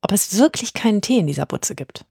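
A woman voicing an eccentric female Christmas witch who speaks in exaggerated courtly phrases with high, squeaky swoops. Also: big pitch swings, fairly quick, vocal fry, mellow, slightly rough, dry recording, studio quality, full character voice. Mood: chatty.

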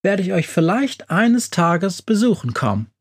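A man voicing a big, hairy, soft-hearted male monster who loves fancy shoes, in a children's audio story. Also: high-pitched, measured pace, breathy edge, voice pushed up, exaggerated voice. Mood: touched. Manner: bashful, excitable, tearful.

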